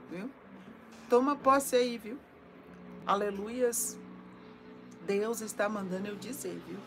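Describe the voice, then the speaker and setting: A gravelly, mid-range voice belongs to a Brazilian Portuguese-accented evangelical preacher broadcasting live indoors at home. She holds a phone in front of her, talks in a chatty way, and punctuates what she says with quick checks to listeners. A faint hiss or hum is audible.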